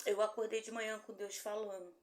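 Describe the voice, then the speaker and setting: Her delivery is brisk and flat as this middle-aged Brazilian pastor preaches, her accent Brazilian Portuguese. While recounting a story she performs the characters' lines with rising pitch, and the recording has an echoey quality.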